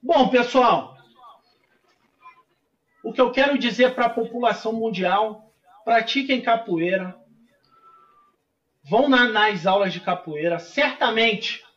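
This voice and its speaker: A man with a carioca accent, a capoeira master chatting warmly as a podcast guest over a video call. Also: high-pitched, highs cut off. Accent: Rio de Janeiro Portuguese. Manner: warm, effusive, addresses host as friend. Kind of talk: casual podcast interview, singing capoeira songs.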